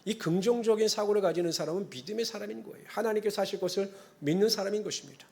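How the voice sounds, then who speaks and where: A pastor with a rather high voice races through a Sunday sermon. He shifts between earnest, formal blessing phrases and relaxed asides to the congregation, acting out quotes as he goes.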